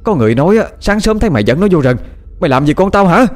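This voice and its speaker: A man voicing an angry village mother who scolds and shouts. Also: high-pitched, big pitch swings, rapid-fire, voice pushed up. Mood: furious.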